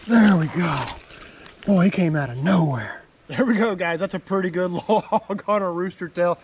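A man talking casually to viewers as he fishes a creek outdoors, excited and chatty. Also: high voice, normal speed, breathy edge, low-quality recording. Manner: excited, talks to viewers while fishing. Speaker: fishing vlogger.

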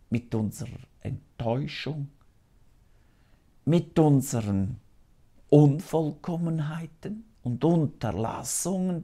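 A man's voice: mid-range voice, vocal fry, dark tone. A man in his fifties, a priest, preaching solemnly and earnestly to camera in a small TV studio on a lapel mic. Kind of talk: televised sermon.

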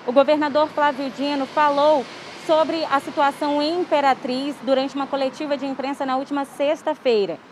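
A young woman field reporter speaks in a high voice into a handheld mic outdoors. Faint street noise sits behind her as she reads figures clearly and steadily. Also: fairly even intonation, moderate pace. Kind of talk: live news report. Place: outdoors by a seaside avenue.

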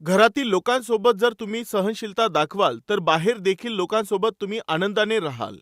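A man's voice: high-pitched, expressive, moderate pace, a bit bright, dry recording, clean studio sound. A man preaching a sermon, calling his listeners dear brothers and sisters and telling stories with quoted dialogue.

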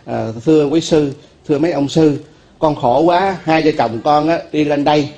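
A man with a Southern Vietnamese accent voicing a distraught young mother who pleads with a monk for money, in a halting, tearful way. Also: on the high side, dark tone, close to an everyday voice. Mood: pleading.

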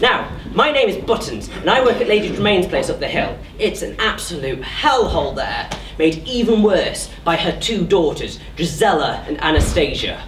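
Woman as lovestruck comic servant for stage panto: playful, exclamatory, very lively delivery, distant roomy theatre recording. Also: fairly low pitch, normal speed, hardly any pauses, slight background noise. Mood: confiding. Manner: exclamatory, playful, coaxing the crowd. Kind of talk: live amateur pantomime stage acting, addressing the audience. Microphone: distant camera.

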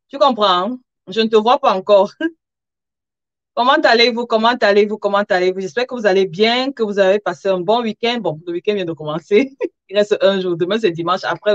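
A woman presents a live online interview in an informal, chatty way, with a slightly tired edge. She addresses her viewers directly. The sound is dry and a bit lo-fi, with an average-pitched voice. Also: dry recording. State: somewhat tired. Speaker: live interview host, sewing content creator. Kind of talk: casual livestream chat with viewers. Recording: dull, lo-fi livestream audio.

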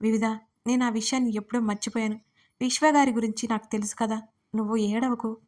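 A woman's voice: a little high, fairly even intonation, brisk, natural voice. A woman voicing a caring young woman who reassures her friend in an audio story. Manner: soft and reassuring.

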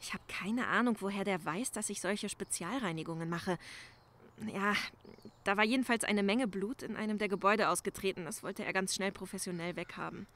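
A woman's voice: mid-range voice, a little fast, a bit bright, natural voice. A woman playing an anxious young crime-scene cleaner in a crime audio drama, speaking hesitantly and urgently, pleading. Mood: uneasy. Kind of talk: German crime audio drama acting, conversational.

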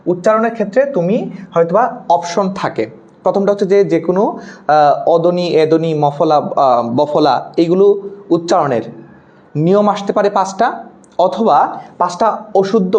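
A man's voice: high-pitched, normal speed, pauses often, darkish tone. A young male teacher with a Bangladeshi Bengali accent giving an exam-prep lecture, chatty, dropping English words and often asking "okay?" to check in. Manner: mixes English words into his talk.

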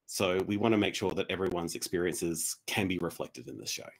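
A man's voice: low-pitched, fairly quick, breathy edge, low-quality recording. A man explaining things as a podcast writer on a video-call panel. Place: indoor room at home, video call.

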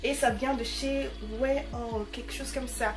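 A woman's voice: high voice, steady tone, a little slow, soft background music. A woman in her early twenties chatting casually to camera as she answers viewer messages, bubbly and full of slangy fillers.

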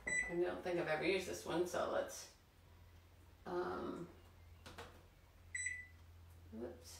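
Addressing kids directly, a middle-aged woman hosts a live cooking demo from her home kitchen, chatty and encouraging throughout. Her lowish voice keeps a level tone with vocal fry, and she takes things slowly. Captured by a far camera, the roomy, distant kitchen sound includes background noise.

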